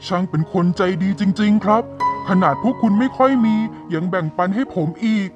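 A man's voice: high voice, lively intonation, fairly quick, muffled recording, music in the background. A man playing a polite, earnest company president who poses as a poor beggar in a cartoon story. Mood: grateful. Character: company president posing as a blind, grateful beggar.

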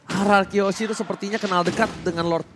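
A man with an Indonesian accent giving excited, exclamatory live play-by-play as an esports caster, in the manner of a fighting game announcer. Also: sits high, noisy background. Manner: excited, exclamatory, drawn-out shouts at big plays. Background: music under the commentary.

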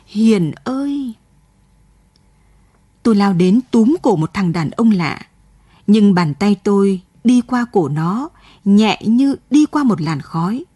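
Mellow, husky woman reading a radio story. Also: medium pitch, no room sound. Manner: slow, sorrowful storytelling. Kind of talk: scripted narration of a late-night radio story. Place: radio studio.

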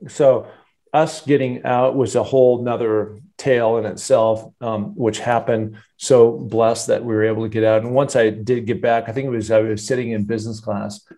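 A man in his fifties, a guest on a video-call interview, telling a long story in an animated, rambling way with many restarts. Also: medium pitch, normal speed. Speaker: interview guest, former football player. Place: home office with wood cabinet. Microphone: earbud headset on video call.

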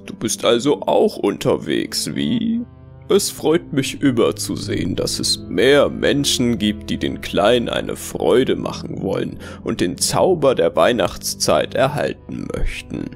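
A man's voice: fairly low pitch, wildly swooping pitch, measured pace, vocal fry, exaggerated voice. A man playing a proud, delusional Santa in an audio horror drama, theatrically friendly and insistent. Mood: falsely friendly. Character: delusional, affable, proud self-believed real Santa man. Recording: music behind the voice.

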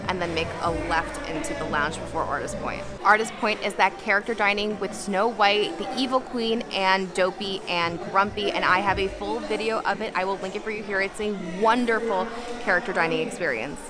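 A woman's voice: mid-range voice, moderate pace, over loud music. A young woman in her twenties vlogging a frank, casual food review on a phone held at arm's length, talking with lots of fillers. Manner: chatty, frank, many fillers. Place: busy hotel lounge bar, indoors. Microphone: handheld phone camera at arm's length. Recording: phone video in a noisy bar. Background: loud crowd chatter.

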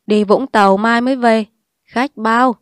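A woman's voice: on the high side, steady tone, unhurried, smooth, dry recording, studio quality, lightly acted. A woman voicing a defiant, streetwise young woman who speaks bluntly and scornfully. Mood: bitter. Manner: blunt, scornful and sharp-tongued.

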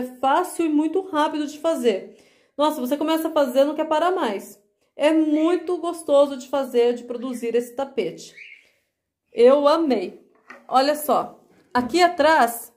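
A woman's voice: high-pitched, a little mellow. A woman crochet vlogger from Brazil, chatting affectionately at home as she shows her work to viewers. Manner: affectionate, chatty, calls viewers "meus amores" and "gente". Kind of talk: casual show-and-tell vlog.

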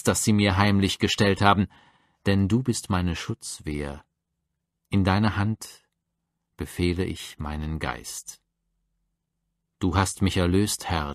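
A man reading psalms aloud for a Bible audiobook, measured and reverent. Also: fairly low pitch, no room sound, studio quality. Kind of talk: solemn scripture reading.

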